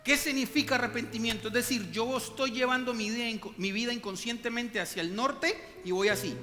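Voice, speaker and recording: A male pastor preaches in a high, ringing voice, swinging between fervent rises and quiet, low moments. His words trail off into a long church reverb, with instrumental music playing beneath. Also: steady tone, brisk. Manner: preaching with emphatic rises and hushed drops. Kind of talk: sermon. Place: church hall. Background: soft instrumental music.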